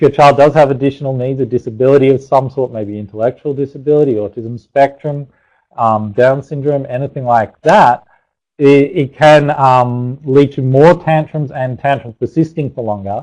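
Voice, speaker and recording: The speaker has an Australian accent. The pace is moderate and the intonation fairly even. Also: man, medium pitch for a man. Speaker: psychologist. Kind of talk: webinar presentation. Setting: live webinar.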